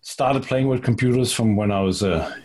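A middle-aged man from Denmark, a native Danish speaker with a Danish accent, answering interview questions in a relaxed, thoughtful way. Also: medium pitch, moderate pace. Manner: relaxed, thoughtful, with fillers and repeats. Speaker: guest, author and software business partner.

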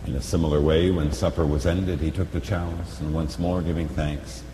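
A man speaking as a priest at Mass, reciting solemn liturgical prayers in a formal, measured way, at times chanting, in an echoing church. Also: extremely low pitch, fairly even intonation. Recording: echoey church, long reverb, background noise.

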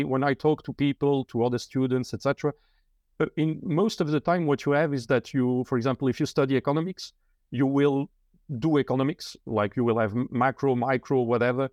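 Man, mid-pitched voice, dry close recording, hesitant interview answers. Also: a little mellow, dry recording. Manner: thoughtful, hesitant, many fillers and restarts. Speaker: interview guest, author. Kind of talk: casual interview conversation.

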